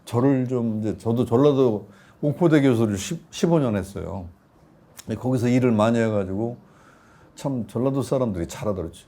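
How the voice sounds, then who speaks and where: A man in his sixties, a professor being interviewed, telling lively anecdotes and acting out quotes with laughter. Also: medium pitch, a little fast. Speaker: professor guest. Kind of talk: conversational interview storytelling.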